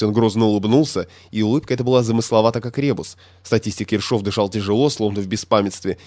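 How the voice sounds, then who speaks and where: A man narrating a classic novel as an audiobook reader, in an even, measured storytelling manner. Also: fairly low pitch, dry recording.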